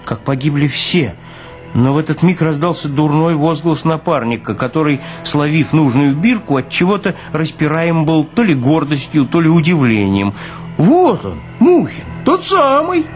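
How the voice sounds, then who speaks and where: A man narrating literary fiction expressively, as in an audiobook. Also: mid-range voice.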